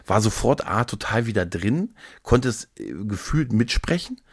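A man in middle age with a fairly low voice, recorded dry and close. He tells stories casually and playfully, rambling along and doubling back on his words like a relaxed podcast co-host. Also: normal speed, breathy edge, dry recording. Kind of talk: casual conversational storytelling.

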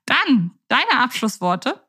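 A woman's voice: high voice, sing-song, takes it slowly, sharp tone, slightly rough. A woman co-hosting a podcast, chatting casually and thinking aloud with fillers. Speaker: podcast co-host.

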